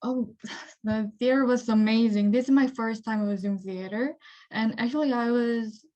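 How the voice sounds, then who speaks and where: A woman's voice: fairly high pitch, moderate pace, mellow. A woman from South Korea with a Korean accent, speaking earnestly and effusively as she searches for English words. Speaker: audience member. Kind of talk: heartfelt spontaneous comments. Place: online video call. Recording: dull, lo-fi video-call audio.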